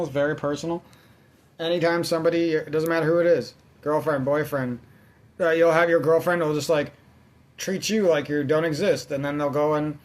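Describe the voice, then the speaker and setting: Profane, rambling young man venting. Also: fairly high pitch. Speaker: gaming channel host. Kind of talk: ranting let's-play commentary.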